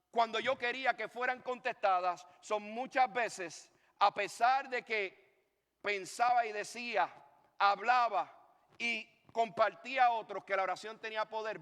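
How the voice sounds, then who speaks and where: Man, pastor, sermon, high voice, long hall reverb. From Puerto Rico. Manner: storytelling with lively pitch swings and asides.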